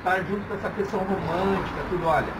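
A man's voice: high voice, fairly even intonation, fast. A man in his thirties, a thrift store owner, chatting enthusiastically while showing clothes in a small indoor shop, recorded on a nearby camera. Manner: chatty, enthusiastic, often saying "olha". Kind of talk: casual chat showing clothes. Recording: noisy shop ambience.

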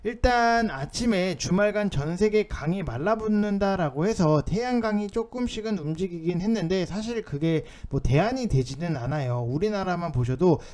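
Speaking at normal speed with barely a pause, a man with a high-sitting, darkish voice and lively intonation hosts casual market talk. He walks through on-screen notes in an insistent, slightly urgent manner.

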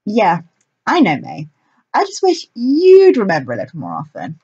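Woman voicing a nervous young male nymph, husky, a bit sulky, lo-fi. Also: mid-range voice, huge pitch swings, moderate pace, warm tone, exaggerated voice.

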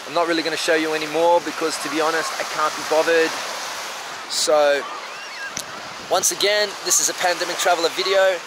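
A man's voice: on the high side, brisk. A man in his thirties chatting casually as he films a walking tour on a coastal path and beach, holding the camera at arm's length. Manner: relaxed, chatty, candid. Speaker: travel vlogger. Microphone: camera held at arm's length. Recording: outdoor noise behind voice.

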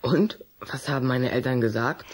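A performer playing a shy, sulky young boy in a children's audio drama, hesitant and husky. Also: mid-range voice, moderate pace, lightly acted. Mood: hesitant, uneasy. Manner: hesitant, reluctant.

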